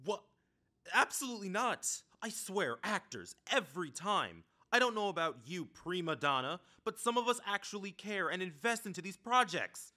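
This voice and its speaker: A man acting a self-important, indignant high school stagehand in a comedic audio drama. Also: big pitch swings, moderate pace, sharp tone, full character voice. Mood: indignant, haggling. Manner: pompous, indignant. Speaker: actor.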